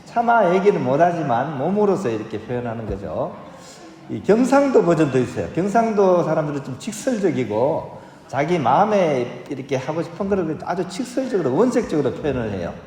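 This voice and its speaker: Speaking with a fairly high pitch and a darkish tone, a Catholic priest reads the Gospel before offering a playful homily that invites the congregation to participate. The setting is a large church, and the recording echoes through the hall.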